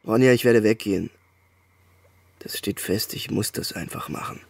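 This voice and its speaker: An actor playing a restless, evasive ex-soldier boyfriend in an audio drama, talking in colloquial, naturalistic dialogue. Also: male voice, lowish voice, moderate pace, creaky, darkish tone, slightly rough. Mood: hesitant, subdued. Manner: colloquial, hesitant, brooding. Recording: radio play with noticeable background noise.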